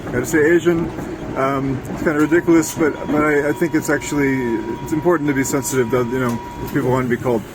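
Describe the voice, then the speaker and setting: A man interviewing casually in a halting, rambling, digressive way. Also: steady tone. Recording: noisy, air conditioning and traffic rumble.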